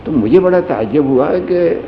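A man's voice: a little high, expressive, a little hiss or hum. A man giving a sermon, telling a humorous personal anecdote in a storytelling manner. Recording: echoey hall, dull lo-fi sound.

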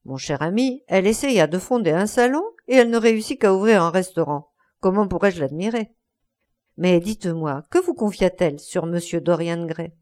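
A woman's voice: fairly low pitch, expressive, moderate pace, a little mellow, lightly acted. A woman reading aloud voicing a cynical, witty young aristocrat in an airy, ironic manner.

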